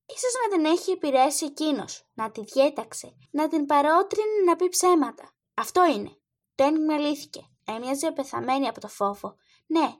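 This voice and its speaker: A gentle, loyal knight who muses aloud and mutters his thoughts, read by a woman narrator. The voice stays high and bright in pitch. The telling is thoughtful and quiet, like a storybook reading. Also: natural voice. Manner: musing, muttering to himself.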